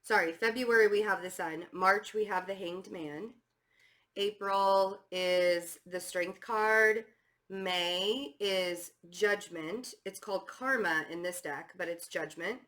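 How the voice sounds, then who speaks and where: Hoarse, stuffy-voiced woman tarot reader. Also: mid-range voice, slow pace, a bit bright. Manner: chatty, many fillers and restarts. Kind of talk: casual tarot reading.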